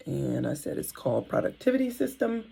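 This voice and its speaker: A woman with a raspy, hoarse voice from a sore throat, rambling and thinking aloud in a casual vlog at home, filmed on a phone. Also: a bass voice, very animated, fairly quick, mellow. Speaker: vlogger and mom entrepreneur. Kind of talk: casual talking-to-camera vlog. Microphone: phone on a tripod. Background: faint kids' show audio.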